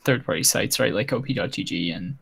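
A man co-hosting a casual gaming podcast, talking through his game stats in a relaxed way. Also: fairly low pitch, a little fast, gravelly, slightly rough. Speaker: podcast co-host.

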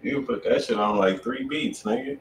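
A man's voice: mid-range voice, huge pitch swings, normal speed, creaky. A man hosting a live music-review stream from a home studio, laid-back and joking in heavy slang. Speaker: host. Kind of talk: casual live-stream chat. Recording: roomy, from far off the mic.

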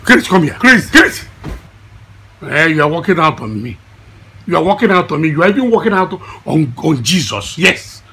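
Older igbo nigerian dad in a comedy, pleading and dramatic, voice up and down, noisy background. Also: male voice, mid-range voice, big pitch swings, normal speed, sharp tone. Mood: indignant. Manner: theatrical, repetitive, pleading, mixes English and Igbo. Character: devout older father, dramatic repentant sinner, easily indignant. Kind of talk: comedy film acting with loud pleading prayer.

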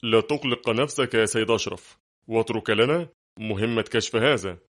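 A man's voice: on the low side, fairly quick, fairly bright tone. A man voicing a harsh, menacing spy. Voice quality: harsh, gruff. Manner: stern and menacing. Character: ruthless male foreign spy, harsh and sarcastic. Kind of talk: audiobook character reading.

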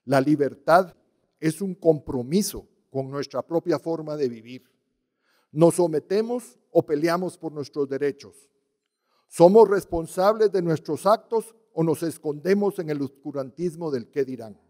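A man gives a solemn, measured ceremonial address from a podium, leaning on emphatic pauses. His voice sits fairly high but sounds dark and mellow. The podium mic carries a long hall reverb. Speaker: university rector. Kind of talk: formal ceremonial speech. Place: large dark auditorium stage at a podium. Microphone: podium microphone.

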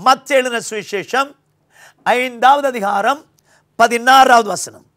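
In an unhurried sermon, an older Tamil-accented pastor alternates loud, emphatic lines with low, quiet ones. The sound is captured by a lapel mic in a small indoor studio.

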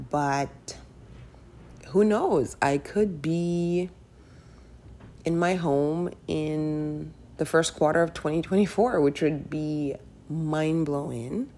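Low, gravelly woman in her thirties. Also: steady tone, takes it slowly, warm tone. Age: 30s. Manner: chatty, candid, with fillers like "like" and "right". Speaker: personal finance vlogger. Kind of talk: casual voice-over over screen recording.

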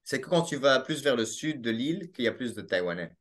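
Chatting over a video call as a podcast guest, this young Belgian speaks with a Belgian French accent and a hesitant style full of fillers and restarts. The audio comes from a laptop webcam mic in a small home room. His mid-range voice is very animated and a bit bright.

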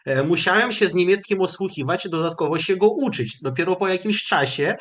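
A man giving a lecture, answering questions after a webinar in a measured, explanatory way with hesitant fillers over a video call. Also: sits high, expressive, fairly bright tone.

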